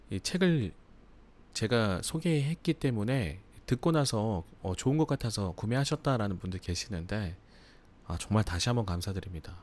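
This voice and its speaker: This book channel host has a lowish, slightly mellow voice. Running a live book review, he keeps things chatty, laughs frequently, and leans heavily on filler words in his asides.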